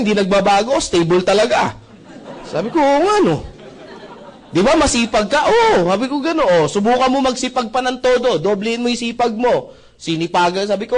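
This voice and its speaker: Here a man gives a motivational storytelling talk at a seminar, recounting his testimony with energy. He performs the dialogue himself and frequently asks whether listeners agree, speaking animatedly with sudden shifts in pitch and loudness.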